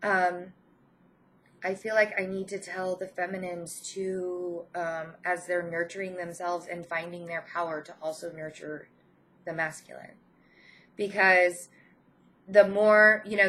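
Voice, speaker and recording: A woman with a fairly low voice, touched by a head cold, speaks as a tarot reader addressing her viewers. Her delivery is gentle and encouraging, informal, with halting pauses inside her phrases. A faint layer of background noise sits under the voice. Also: rough recording. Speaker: spiritual tarot reader and channel host. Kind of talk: informal spiritual card reading to viewers.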